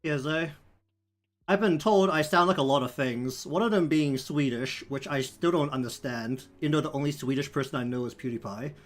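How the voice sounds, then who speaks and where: A man's voice: a little high, normal speed. A man with a broad New Zealand accent chatting casually on a livestream, rambling and thinking aloud as he works. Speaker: live streamer. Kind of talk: casual livestream chat while working. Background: background music.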